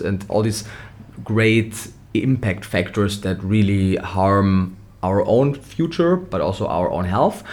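A young man from Austria, a native German speaker with an Austrian accent, answering interview questions thoughtfully, restarting his sentences often. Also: lowish voice. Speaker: nutrition scientist guest.

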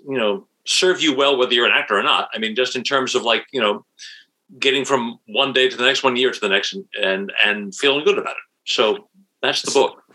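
Halting older man, bright voice. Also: mid-range voice, rough recording. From New Jersey, USA. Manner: halting, with many fillers and restarts. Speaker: podcast guest, actor and author. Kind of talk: casual interview.

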